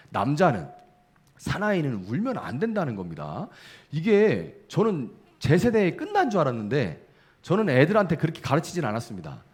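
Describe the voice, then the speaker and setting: A middle-aged man preaching a Sunday sermon as pastor, acting out quoted lines and dropping soft and low at gentle moments. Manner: lively, acts out quoted speech in shifting voices; drops to a soft low voice when speaking gently.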